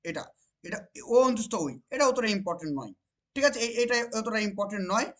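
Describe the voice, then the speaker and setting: A woman with a West Bengal accent teaching an exam-prep grammar lesson. She repeats each point and keeps asking whether it is clear. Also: medium pitch, expressive. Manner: repeats points and asks rhetorical check questions; slows down to stress key phrases.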